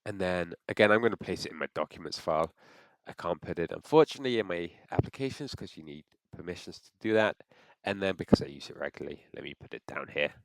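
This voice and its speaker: A man with a cold, sounding congested, talking through a software install step by step and thinking aloud as he clicks. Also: low-pitched, quick pace, hardly any pauses, no room sound, poor audio. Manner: thinks aloud with frequent restarts. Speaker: software tutorial presenter. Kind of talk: screen-recorded how-to walkthrough.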